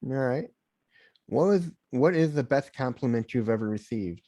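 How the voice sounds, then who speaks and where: A man hosts a casual podcast interview and asks his questions plainly and directly. His voice sits at an ordinary pitch, and the recording is dry and close. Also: lively intonation, normal speed, mellow, dry recording. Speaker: podcast host.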